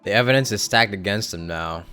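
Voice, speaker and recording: A man's voice: fairly low pitch, fairly quick, sharp tone, faint music behind. A young man giving casual, joking, slangy live commentary as a game streamer.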